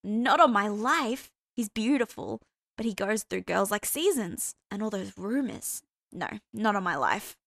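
A woman voicing an excitable, gossipy young college woman who talks in high, breathless bursts. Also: moderate pace, no echo, clean studio sound, natural voice. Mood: excited gossip.

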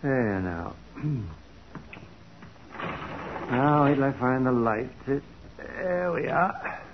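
An actor playing a kindly, humble old garage owner, folksy and earnest, in a 1940s radio drama. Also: male voice, medium pitch, very animated, drawn-out words. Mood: friendly, modest. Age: older. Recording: dull, noisy 1940s radio recording.

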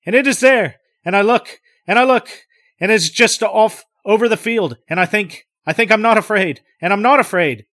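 A man's voice: sits high, lively intonation, normal speed, a bit bright, voice pushed up. A man reading the part of a terrified man reliving an encounter, stammering and breathless with panic. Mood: panicked.

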